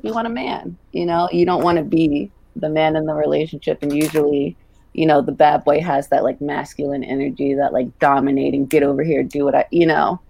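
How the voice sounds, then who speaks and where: Low, gravelly-voiced woman chatting casually. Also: dry recording. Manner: relaxed, conversational, "like" fillers. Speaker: podcast co-host. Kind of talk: casual chat.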